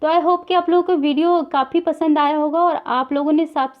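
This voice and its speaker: Lady teacher going over hindi grammar, high voice, kinda dull lo-fi sound, keeps repeating stuff and asking the class questions. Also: fairly even intonation, normal speed. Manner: repeats points and asks the class rhetorical questions; uses English words within Hindi. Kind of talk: explaining a lesson to viewers.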